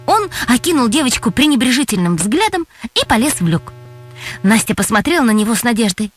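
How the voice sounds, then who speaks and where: A woman narrating a children's audio tale with expressive storytelling. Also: fairly high pitch, fairly quick, faint music behind.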